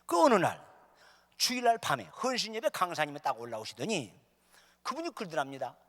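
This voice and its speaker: A man's voice: fairly high pitch, wildly swooping pitch, a little fast, fairly bright tone. A middle-aged man preaching as a revival speaker, telling a story with humor and acting out the dialogue. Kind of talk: sermon. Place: large church sanctuary. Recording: echoey church hall.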